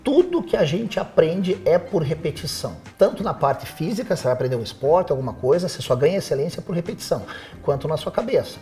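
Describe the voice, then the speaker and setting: Guest teacher on a podcast, male, rapid delivery, warm mellow tone, faint music bed. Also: fairly high pitch. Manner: animated, advising, rhetorical questions. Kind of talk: casual podcast conversation.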